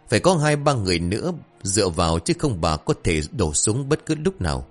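A man telling a horror story with a low voice and a lively, dramatic delivery. Faint music plays beneath his narration. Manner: dramatic, expressive.

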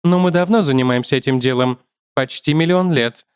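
A fierce black widow spider, played by a male reader, speaking in a thin, ringing, much higher voice. He sounds grave and sure of himself in this storybook scene. The sound is dry and close. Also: fairly quick, smooth, dry recording, natural voice.

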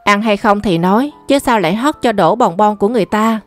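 A woman's voice: mid-range voice, expressive, fairly quick, faint music behind, close to an everyday voice. A woman voicing a pampered young girl who grumbles back at her brother. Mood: petulant. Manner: petulant, grumbling. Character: young girl, pampered half-sister, petulant.

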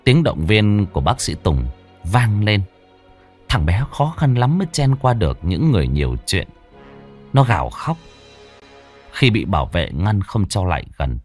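A man narrating a story in a steady, expressive way. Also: lowish voice, moderate pace, soft background music.

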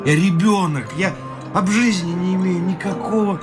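A man's voice: high-pitched, moderate pace, natural voice. An actor playing a naive, idealistic young male official in a radio play, tipsy, earnest and troubled, reluctant to drink. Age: young adult. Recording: loud music behind the voice.

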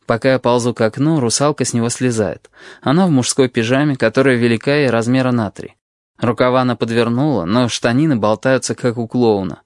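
A man's voice: medium pitch, brisk, no echo, clean studio sound. A man narrating a novel in the first person, reading expressively. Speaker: audiobook reader.

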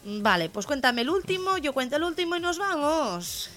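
A woman co-hosting a local radio comedy show, telling jokes in a lively storytelling way. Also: moderate pace. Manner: lively storytelling, jumps into high voices for joke characters.

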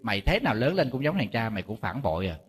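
A man's voice: mid-range voice, very animated, fast, slightly rough, voice pushed down. A man with a Southern Vietnamese accent voicing a bitter, reproachful middle-aged mother scolding her child. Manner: harsh, reproachful. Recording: long reverb hall.

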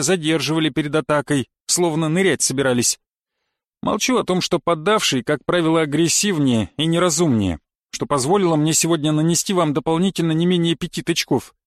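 A man's voice: on the high side, dry recording, studio quality, lightly acted. A man voicing a pedantic male knife-fighting coach who lectures dryly and thoroughly in an audiobook. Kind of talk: audiobook character reading.

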